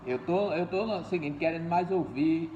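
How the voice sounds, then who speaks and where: A man's voice: on the high side, normal speed, dark tone, slight background noise. An older man preaching a sermon, repeating key words and calling his listeners dear ones and brothers. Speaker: pastor. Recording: echoey room, dull lo-fi sound.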